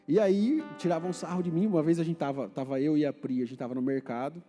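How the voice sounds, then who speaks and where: A man's voice: fairly high pitch, steady tone, quick pace, mellow, long reverb tail, faint music behind. A man from Paraná, Brazil, with a Paraná Brazilian Portuguese accent, preaching a sermon in a church and putting questions to the congregation. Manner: conversational, asks the congregation questions. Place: church hall.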